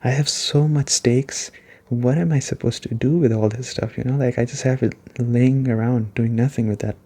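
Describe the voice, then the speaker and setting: A soft-spoken man with a dark, relaxed tone and a mid-range voice reviews a video game in ASMR style. He talks conversationally, circling back over his points to stress them. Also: mid-range voice, moderate pace.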